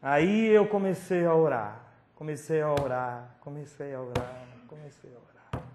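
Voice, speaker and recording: A man's voice: on the high side, normal speed. Man preaching a dramatic testimony. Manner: dramatic storytelling, swinging from whispers to loud pleading. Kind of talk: testimony sermon. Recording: roomy hall recording with faint noise.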